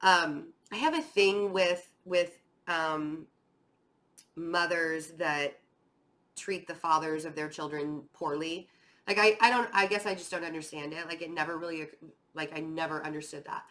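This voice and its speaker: A woman's voice: deep voice, fairly even intonation, measured pace, fairly bright tone. A woman giving a casual, conversational tarot reading, chatty and rambling, encouraging and speaking straight to the listener, with a voice that is starting to tire. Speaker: tarot reader hosting an online reading.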